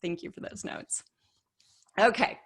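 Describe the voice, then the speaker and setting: A woman runs a workshop in an unhurried, slightly bright voice, telling stories in a chatty, conversational way. She says "like" often and corrects herself mid-sentence.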